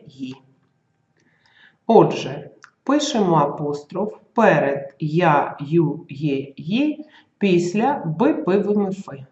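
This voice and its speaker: A teacher giving a school grammar lesson, dictating slowly and carefully and sounding out letters and example words. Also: medium pitch, darkish tone, reverberant, lo-fi sound.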